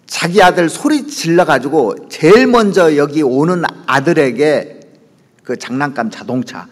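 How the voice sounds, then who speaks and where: Lively Korean pastor preaching in a hall. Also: male voice. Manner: lively preaching, pitch leaps and drops, asides to the congregation. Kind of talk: sermon. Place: church sanctuary. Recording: church hall reverb.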